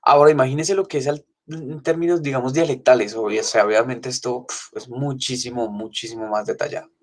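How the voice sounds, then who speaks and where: A man's voice: mid-range voice, fairly even intonation, brisk. Man, phonetics teacher, casual lecture, frequent fillers. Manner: casual explanatory, many fillers like "digamos" and "¿cierto?". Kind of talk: university online class lecture.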